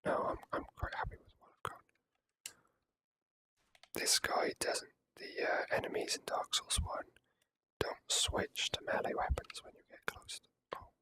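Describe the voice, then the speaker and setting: A person whispering softly and casually as ASMR commentary over a video game. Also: unhurried, rough recording. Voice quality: soft unvoiced whisper. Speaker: gaming video creator.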